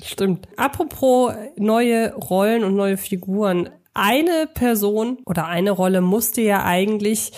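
A woman's voice: medium pitch, slow pace, hardly any pauses, darkish tone. A woman co-hosting a podcast, discussing films casually in an explanatory, conversational manner. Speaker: podcast co-host reviewing films.

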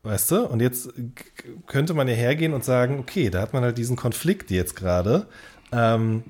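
A male podcast co-host with a slightly rough, husky voice at a medium pitch. His intonation moves around a lot as he chats off the cuff, feeling his way through explanations and rewording as he goes. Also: animated, moderate pace, darkish tone. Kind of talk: casual unscripted podcast chat.

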